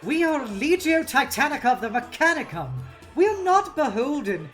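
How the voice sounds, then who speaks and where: A woman voicing a smooth, patronizing male cyborg priest in a novel read-aloud, with unctuous, falsely polite formality. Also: high voice, very animated, soft background music, voice pushed up. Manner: unctuous, slow, politely condescending.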